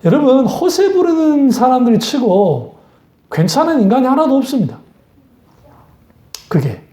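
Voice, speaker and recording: A woman's voice: high-pitched, big pitch swings, unhurried, dark tone, echoey room. A woman pastor preaching a sermon in a blunt, conversational way, asking her congregation rhetorical questions. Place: church sanctuary.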